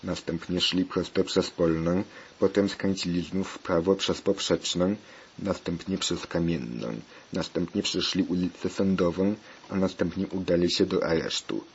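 Give me a deep-voiced man plainly reading a homemade story. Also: steady tone, normal speed. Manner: plain, repetitive narration. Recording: dull lo-fi recording, faint hiss.

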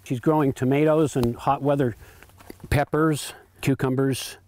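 A man in his eighties giving a relaxed, rambling tour of his homestead, often repeating words while he thinks, on a lapel mic with faint background noise. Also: medium pitch, measured pace, no room sound. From United States. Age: 80s. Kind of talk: casual tour talk. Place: outdoor garden and home pantry.

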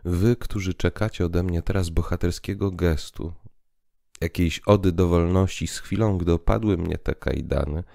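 A man's voice: low voice, fairly even intonation, normal speed, gravelly, dark tone, no room sound, clean studio sound. A man voicing a bitter, despairing freed prisoner who declaims solemnly in a dramatic literary monologue. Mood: bitter, apologetic.

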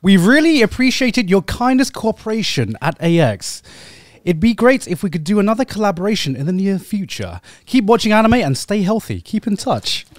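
A young man with a high, bouncy voice that swings all over, chatting loosely into a boom-arm mic in a small studio. He keeps up an animated, laughing banter and repeats his lines for effect. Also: moderate pace, dry recording. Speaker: podcast co-host. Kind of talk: casual unboxing banter on a livestream. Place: small indoor podcast studio.

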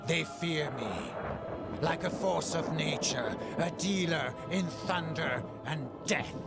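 A menacing emperor declaims gravely over loud music. His voice is fairly high and gravelly, every phrase deliberate and proud, as in a video game cinematic. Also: expressive, exaggerated voice. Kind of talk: dramatic game cinematic monologue.

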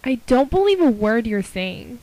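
A woman performing short dramatic character lines for an amateur voice acting audition in an expressive, theatrical manner. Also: a little high, normal speed, dry recording, poor audio.

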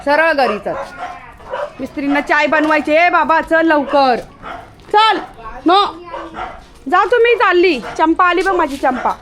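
A woman's voice: sits high, measured pace, pauses often, noisy background. A woman, talking to her pet dog outdoors in a coaxing, repetitive, sing-song way. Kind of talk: casual coaxing talk to a dog.

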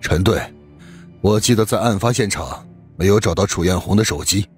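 A man's voice: on the low side, moderate pace, soft background music, lightly acted. A man acting a male police detective in an audiobook, blunt and probing as he questions colleagues. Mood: matter-of-fact.

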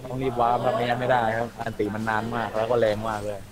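A man talks quickly and eagerly while playing a video game with a friend, trading casual remarks and cheering the action on. His pitch sits in an ordinary middle range for a man, captured on a headset-style mic. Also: little pitch movement, a crowd in the background. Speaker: co-commentator and player. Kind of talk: casual let's-play commentary.

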